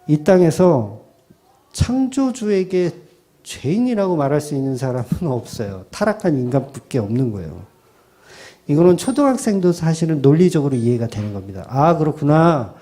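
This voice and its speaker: A man's voice: fairly high pitch, normal speed. A male pastor giving an expository sermon, asking the congregation questions and acting out imagined voices. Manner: animated preaching, quoting imagined voices with sudden drops to soft asides.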